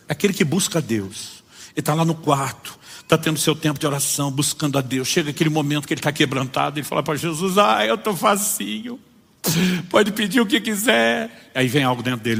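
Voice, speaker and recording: This man is a Brazilian pastor giving a storytelling sermon in a large hall, performing the dialogues with lively energy. His voice is mid-range, and he speaks with a Brazilian Portuguese accent.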